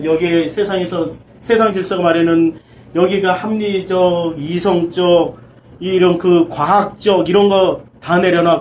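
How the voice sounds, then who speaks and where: A man with a high-pitched voice leads a church Bible study as its pastor. He teaches emphatically, asking his listeners question after question and mixing casual and polite speech. A faint background noise runs under the recording. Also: low-quality recording. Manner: emphatic, swings between loud and quiet.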